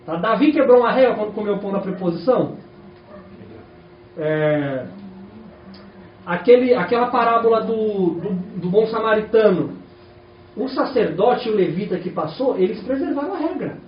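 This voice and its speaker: A Brazilian man preaches to his congregation, and his voice runs high and swings a lot in pitch. He keeps asking questions and answering them himself. The sound is muffled and roomy, picked up from a distance with faint ambience behind. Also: normal speed, slight background noise. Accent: Brazilian Portuguese. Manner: animated, rhetorical questions to the congregation. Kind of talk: sermon. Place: church hall. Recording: echoey, distant, dull church recording.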